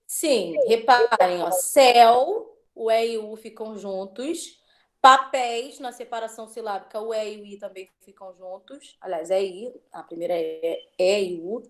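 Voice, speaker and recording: A woman's voice: mid-range voice, a little slow. A woman teacher giving an online class, patiently drawing out words as she drills syllables.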